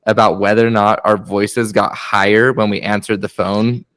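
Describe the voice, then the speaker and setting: A man's voice: fairly low pitch, little pitch movement, normal speed, a bit bright, dry recording. A young man, a guest husband, telling stories in a casual podcast chat and laughing often. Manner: chatty storyteller, laughs often.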